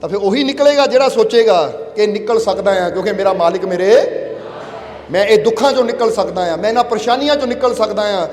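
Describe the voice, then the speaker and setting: A man's voice: high voice, quick pace, darkish tone. A man preaching a sermon, emphatic and repeatedly quizzing his listeners. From Punjab, India. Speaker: spiritual preacher. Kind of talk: sermon to a congregation. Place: large worship hall. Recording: echoey hall with faint music.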